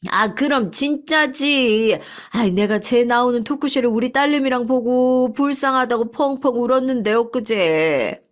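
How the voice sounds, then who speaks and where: A speaker voicing a chatty middle-aged woman running a small restaurant, gossiping with drawn-out exclamations. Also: mid-range voice, voice pushed up, natural voice. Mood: fussing.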